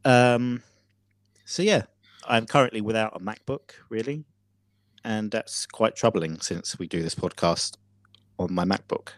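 A man co-hosting a podcast, telling a story theatrically with many pauses and fillers. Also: lowish voice, no room sound. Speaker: podcast co-host. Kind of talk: casual chat.

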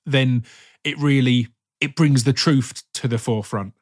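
A man's voice: medium pitch, fairly even intonation, unhurried. A man with a stammer who repeats sounds and words, talking casually and earnestly as an actor hosting an interview.

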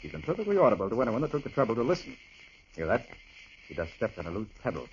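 An actor playing a calm, confident male detective in a 1940s radio drama, explaining clues in an assured manner. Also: on the low side, very fast, a little hiss or hum. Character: cool-headed male detective, middle-aged, confident. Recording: muffled old radio broadcast.

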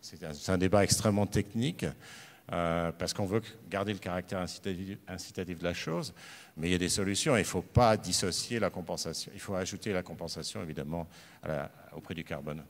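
A man's voice: low voice, fairly quick. A man speaking on a conference panel, hesitant and often restarting his sentences. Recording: reverberant conference hall.

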